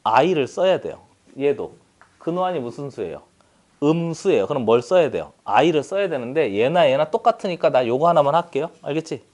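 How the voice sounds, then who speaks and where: In a math classroom, a tutor jokes around and frequently seeks his students' agreement. He speaks at normal speed in a fairly high, slightly mellow voice that swings widely in pitch.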